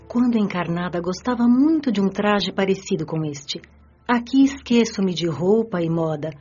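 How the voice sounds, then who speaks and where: An actress playing a kind, elegant female spirit teacher in a radio drama, speaking gently. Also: mid-range voice, normal speed, husky, muffled recording, faint music behind, natural voice. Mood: gentle. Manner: gentle, explanatory.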